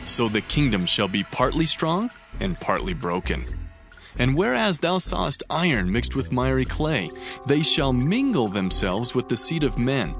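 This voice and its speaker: A fervent, declaiming biblical prophet. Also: male voice, mid-range voice. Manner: declamatory, reverent, emphatic. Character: solemn, fervent male prophet addressing a king. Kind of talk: dramatized scripture reading, archaic English. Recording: music behind the voice. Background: background music.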